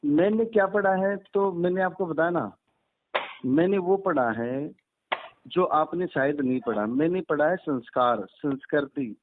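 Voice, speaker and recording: A man's voice: a little high, measured pace, slight background noise. A man who is a Hindu religious teacher, arguing over a phone call in an insistent, lecturing way and repeating himself. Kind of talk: argumentative phone conversation. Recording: tinny phone-line call recording.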